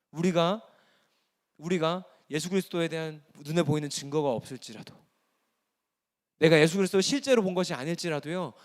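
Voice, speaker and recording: A man preaching a sermon to a young adults' service in a lively, conversational way, acting out bits of dialogue. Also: high-pitched. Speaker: pastor.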